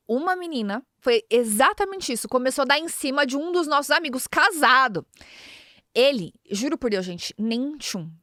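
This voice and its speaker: A woman's voice: fairly high pitch, fairly bright tone, no echo, studio quality. A woman in her thirties with a Brazilian accent, chatting on a podcast and acting out little dialogues as she tells stories. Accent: Brazilian Portuguese. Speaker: podcast guest speaker. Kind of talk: casual podcast talk.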